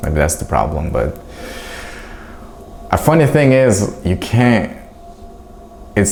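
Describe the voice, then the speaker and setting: A man with a Russian accent speaks at a fairly slow pace with very wide pitch swings. There is noticeable background noise and audible room echo. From Crimea, Ukraine. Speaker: English teacher. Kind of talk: personal monologue vlog. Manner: hesitant, many fillers.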